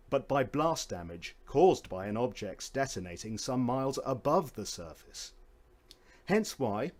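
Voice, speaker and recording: Measured male documentary narrator. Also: mid-range voice, a little mellow.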